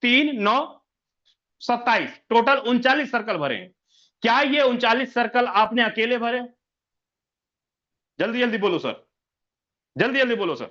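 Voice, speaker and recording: Male presenter with a bright, forceful voice, drilling sums and quizzing listeners as sir on a muffled online call. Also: extremely high pitch, animated, measured pace, pauses often. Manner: repeats figures, fires rhetorical questions, keeps saying sir. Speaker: business presenter. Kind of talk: sales presentation over an online meeting.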